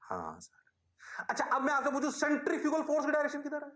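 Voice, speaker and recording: A man leads an online physics class in a bright, high voice. He is energetic and coaxing and keeps repeating his questions to get the students to answer. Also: racing, roomy sound. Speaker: physics teacher.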